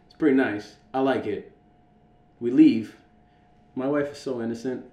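An American man with a loud, carrying voice co-hosting a podcast, telling stories casually, swearing freely and acting out what people said. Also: mid-range voice, measured pace, highs cut off. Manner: animated, profane, acts out reported dialogue. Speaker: podcast co-host. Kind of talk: casual storytelling banter. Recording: echoey room.

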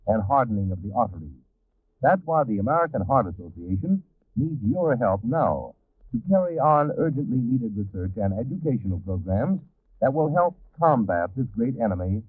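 A man's voice: mid-range voice, husky, no room sound. A man delivering scripted announcements in an old-time radio announcer's style. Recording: dry, tinny old radio recording.

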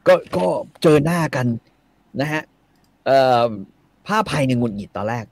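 A man retelling a classic Thai tale in casual, slangy chat, animated and reciting verse now and then. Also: medium pitch, moderate pace. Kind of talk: casual comic retelling with acted quotes.

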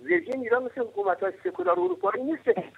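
An Iranian man calls in to a talk show, and his high, animated voice keeps pushing his point. There is a gravelly rasp to it, and the sound is squeezed thin by a phone line. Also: a little hiss or hum. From Iran. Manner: heated, insistent, repeats "look" to press his point. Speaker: caller.

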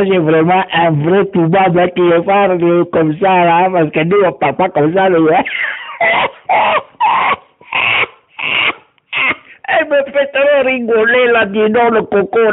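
A man putting on a high, giggly voice of someone who laughs and teases about how outsiders talk. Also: flat delivery, unhurried, long pauses. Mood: teasing. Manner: giggling, teasing. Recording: tinny phone-like sound.

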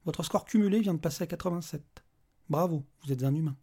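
A smiling male robot official, coldly logical and unmoved, as a male reader puts him on. He answers in an even, detached, bureaucratic tone, his husky voice sitting slightly high. It sounds like a dark storybook reading. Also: a little fast.

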